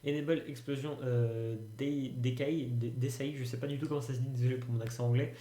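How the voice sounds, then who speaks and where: A man's voice: medium pitch, steady tone, quick pace, warm tone. Hesitant man explaining on a roomy recording. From France. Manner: hesitant, thinking aloud with many fillers. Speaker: tutorial youtuber. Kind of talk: casual screen-recorded tutorial.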